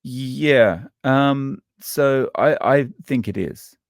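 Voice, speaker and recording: A man with an Australian accent, a guest in a casual interview, talking in a halting, thoughtful way with frequent restarts and fillers. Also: mid-range voice, no echo, studio quality.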